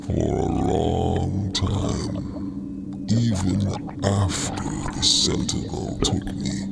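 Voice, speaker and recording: Gravelly, very slow, solemn captive. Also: male voice, low-pitched, full character voice. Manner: slow, measured, deliberate. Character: solemn, remorseful man, once loyal, long a lone captive. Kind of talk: narrative audio drama. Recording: loud music under the voice. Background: loud music.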